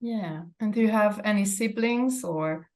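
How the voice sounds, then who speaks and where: A woman hosting an interview, speaking politely with many hesitant pauses and fillers. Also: mid-range voice, a little mellow. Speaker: interviewer, host. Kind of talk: interview host.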